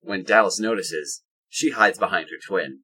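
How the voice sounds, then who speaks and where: A man reading scripted third-person narration for an audio drama in a husky voice. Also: sits low, normal speed, pushed and bright.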